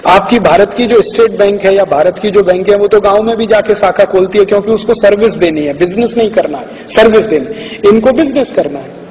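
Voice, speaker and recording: A man giving a public lecture, forceful, with rhetorical questions and repeated lists. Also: sits high, a little fast. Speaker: public speaker. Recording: distant echoey hall recording.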